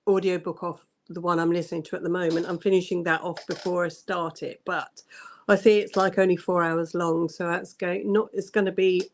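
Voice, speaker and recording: A woman's voice: lowish voice, level tone, fairly quick, slight background noise. A woman guest in a casual book chat over a video call, hesitant and thoughtful, with many ums.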